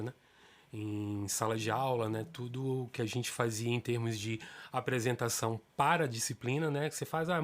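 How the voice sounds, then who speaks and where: A man in his fifties from Salvador with a Bahian Brazilian accent, telling his life story as a guest in a relaxed interview. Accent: Bahian Brazilian Portuguese. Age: 50s. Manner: animated storyteller, pitch rises when excited. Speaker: guest, stage actor.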